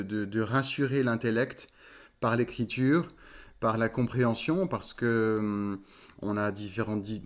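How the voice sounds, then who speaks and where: A man, a voice coach, explaining in an interview and often pausing to search for words. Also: mid-range voice. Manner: thoughtful, searching for words with many fillers. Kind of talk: interview conversation.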